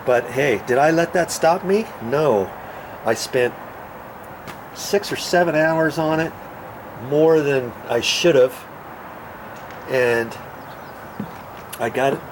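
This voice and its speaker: A man hosting a casual hands-on DIY tutorial, rambling in a folksy way and asking himself questions that he then answers. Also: mid-range voice. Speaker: DIY video host. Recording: noisy, tool rasping and scraping sounds.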